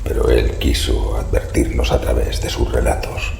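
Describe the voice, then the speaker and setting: An actor playing a haunted, secretive old man who gives grave, ominous warnings in a horror audio drama, with a rasping voice. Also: a bass voice, monotone, moderate pace, darkish tone, heavily acted. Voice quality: very gravelly, breathy rasp. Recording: echoey hall reverb, faint noise.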